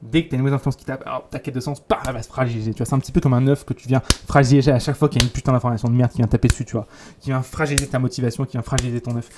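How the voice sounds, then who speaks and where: A man's voice: medium pitch, fairly even intonation, very fast, noisy background. A man giving a blunt, casual motivational talk as a 3D teacher, full of crude slang and restarts. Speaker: YouTube 3D teacher.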